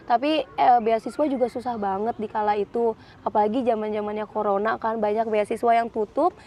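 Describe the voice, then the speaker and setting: A woman's voice: on the high side, steady tone, fairly quick, mellow, slight background noise. A woman from Jakarta in her thirties, chatting casually as a podcast guest, with frequent fillers and restarts. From Jakarta, Indonesia. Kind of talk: casual interview chat. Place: outdoors. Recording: dull lo-fi sound.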